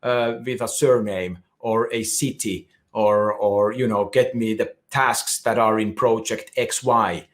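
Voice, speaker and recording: A man's voice: fairly low pitch, fairly even intonation, unhurried, hardly any pauses. Finnish man giving a tech talk. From Finland. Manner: explanatory, with frequent restarts. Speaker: conference speaker. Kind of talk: technical presentation.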